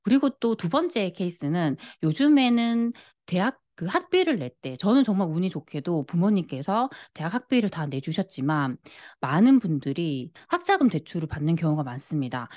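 A woman in her late thirties speaks earnestly and directly to the listener. Her voice sits low but moves up and down with lively, animated inflection. She talks into a close studio microphone in a plain indoor room. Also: normal speed, few pauses. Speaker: personal finance YouTuber. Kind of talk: direct-to-camera talk. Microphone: studio mic on a boom in front of her.

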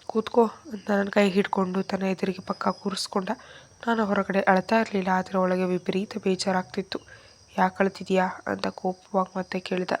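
A woman's voice: medium pitch, little pitch movement, a little fast, a little hiss or hum. A woman telling a first-person love story with emotional, plaintive narration.

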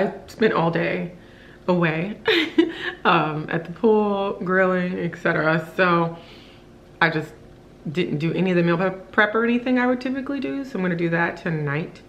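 Brief: low-pitched woman in her 30s, tired and rambling, chatting to camera in a kitchen with faint hiss. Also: fairly bright tone, muffled recording. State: drained, low energy. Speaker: vlogger. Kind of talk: casual chat to camera. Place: home kitchen, indoors.

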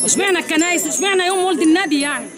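Upset older Egyptian woman, talking fast. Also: very high voice, music in the background. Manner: upset, complaining. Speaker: churchgoer interviewed at the scene. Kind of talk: street interview. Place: outdoors by a street wall. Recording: outdoor crowd noise.

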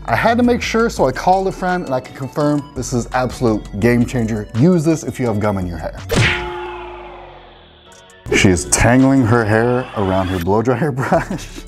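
A man's voice: mid-range voice, expressive, normal speed, darkish tone, faint music behind. A man in his forties, a salon owner hosting casual reaction commentary in a salon, wry and opinionated. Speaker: salon owner and show host. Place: salon with product shelves, indoors.

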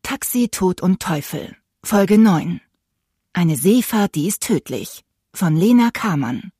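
Female audiobook narrator: steady storytelling, slightly low and husky. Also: takes it slowly, no room sound, clean studio sound.

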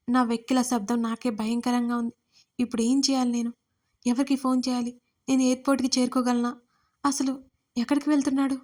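Emotional woman narrating a love story. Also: fairly high pitch. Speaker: writer and narrator. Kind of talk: first-person audio story narration.

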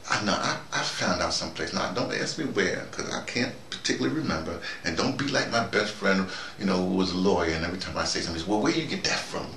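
An American man in his early sixties giving a rambling, informal monologue, halting and digressive, often repeating himself. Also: deep voice, bright, forceful tone. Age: early 60s. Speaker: vlogger. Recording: roomy, noisy, distant microphone.

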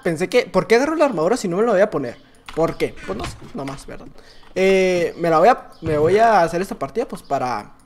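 A man with a Mexican accent giving excitable, joking gameplay commentary, now and then singing or yelling. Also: high-pitched, a little hiss or hum. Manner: excitable, joking, breaks into silly singing and shouting. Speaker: gaming YouTuber.

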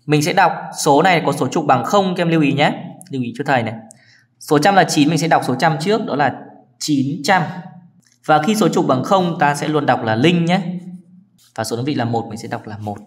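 A man's voice: fairly high pitch, lively intonation, brisk. A man teaching a children's math lesson, counting patiently step by step and often checking in with his pupils.

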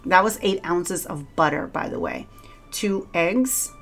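A woman's voice: lowish voice, lively intonation, unhurried, vocal fry, fairly bright tone, faint music behind. A woman with a Cuban accent, talking casually through a home cooking vlog, chatty and self-deprecating and laughing often. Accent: Cuban Spanish. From Cuba. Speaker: cooking vlogger. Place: home kitchen.

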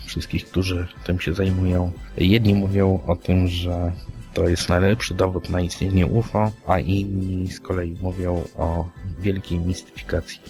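Low-voiced male host over music. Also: a little mellow. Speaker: podcast host. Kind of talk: conversational presenting and sign-off. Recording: clear music under the voice. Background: background music.

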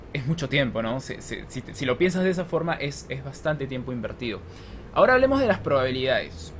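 A man in his twenties talking casually to camera like a gaming vlogger, explaining things step by step. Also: on the high side. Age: 20s. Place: small room at home with open window. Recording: clear background noise from street, open window.

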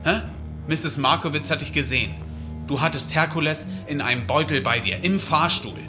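A man's voice: a little high, normal speed, over music, natural voice. An actor playing a hurt, accusing man confronting his partner in an audio drama.

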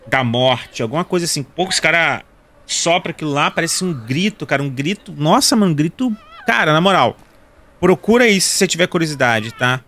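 A man's voice: a little high, animated, brisk, bright, forceful tone. A man in his thirties with a Carioca accent from Rio de Janeiro, casually joking and chatting with viewers while playing a game. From Brazil. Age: 30s. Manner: joking, slangy, talks to viewers. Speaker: gaming video host. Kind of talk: casual gameplay commentary.

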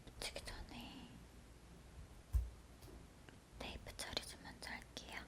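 A woman performs a whispered role-play as a beauty technician. Her voice is a soft, breathy whisper throughout. She talks gently and politely, as if attending to a client lying close by. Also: moderate pace. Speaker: ASMR performer playing an eyelash extension technician.

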